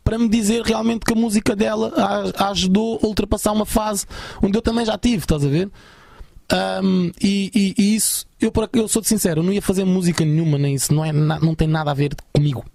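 A man's voice: high-pitched, fairly even intonation, a little fast, creaky, darkish tone, no echo, studio quality. A young man with a European Portuguese accent, a guest musician telling a story in a chatty, slangy way. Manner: chatty, many fillers, slangy. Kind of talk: casual storytelling.

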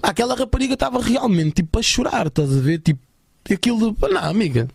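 Young Portuguese musician guest, gravelly and quick, slangy storyteller, dry close sound. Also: male voice, high-pitched, animated, no room sound. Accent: European Portuguese. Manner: chatty, many fillers, slangy. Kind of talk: casual storytelling.

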